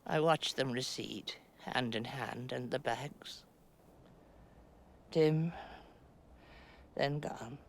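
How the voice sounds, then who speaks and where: A slow, halting buried woman. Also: a bass voice, full character voice. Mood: wistful musing. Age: middle-aged. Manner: slow, deliberate, halting delivery with long pauses. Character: middle-aged woman buried in earth, chattering, stoic. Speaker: actress in a filmed stage play. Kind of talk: absurdist stage monologue.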